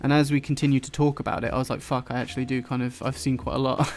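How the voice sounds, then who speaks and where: English bloke chatting while he draws, bit gravelly, drops his t's, swears a lot. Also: mid-range voice, flat delivery, fast talker, a little mellow. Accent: English, London-influenced. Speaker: YouTuber drawing on stream. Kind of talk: casual chat while drawing.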